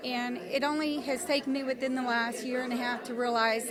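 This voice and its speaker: In a room with audible echo and crowd noise behind her, a high-pitched woman speaks at a moderate pace with fairly even intonation. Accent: American. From US South. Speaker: military veteran and author. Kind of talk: interview testimony. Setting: live event.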